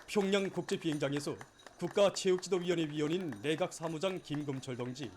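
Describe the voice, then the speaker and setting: A man's voice: a little high, fairly quick, darkish tone, slight background noise. A man with a North Korean accent narrating formal scripted news in a solemn, fervent, declamatory state-broadcast style. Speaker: news announcer.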